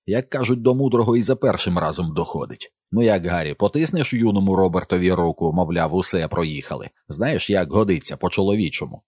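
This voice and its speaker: A man's voice: low voice, lively intonation, brisk, hardly any pauses, a little mellow, dry recording. A man voicing a blunt, commanding middle-aged police officer in an audiobook. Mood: stern authority. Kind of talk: audiobook character voice.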